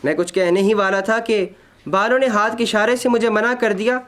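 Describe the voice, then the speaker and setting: A man narrating a literary short story in an expressive, measured, dramatic reading style. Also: high-pitched.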